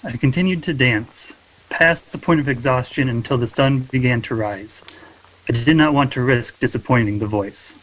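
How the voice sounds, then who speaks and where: A man's voice: mid-range voice, normal speed, a bit bright, rough recording. A man narrates his character's story on a tabletop game podcast. His voice sits in a medium register as he tells what happens.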